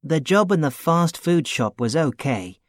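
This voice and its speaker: A man playing a young man looking for a part-time job, talking in a plain, steady, matter-of-fact way in a scripted dialogue. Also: a little high, unhurried, no room sound, studio quality. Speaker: student character in a listening test.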